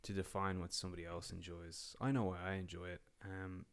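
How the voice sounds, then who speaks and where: A man's voice: sits low, flat delivery, a little fast. An Irish man, a podcast guest, talking casually and rambling with frequent ums, restarts and the odd swear word. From Ireland. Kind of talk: casual conversation.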